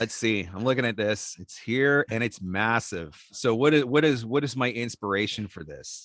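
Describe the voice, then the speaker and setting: This man has a plain, everyday voice of medium pitch with ordinary pitch variation, speaking at a moderate pace with hardly any pauses and big swings in loudness. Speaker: voice performer with announcer background.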